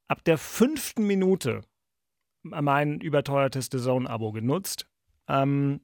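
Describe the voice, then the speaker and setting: A man's voice: fairly high pitch, creaky, dry recording, clean studio sound. A man hosting a casual football talk in a wry, ironic manner. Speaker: football podcast host.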